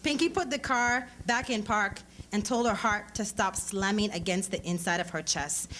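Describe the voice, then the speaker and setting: A woman's voice: medium pitch, normal speed, fairly bright tone. Woman giving a dramatic story reading, noisy recording. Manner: acts out dialogue in character voices. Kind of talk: dramatic literary reading of fiction. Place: live lecture event. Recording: clearly noisy live event recording.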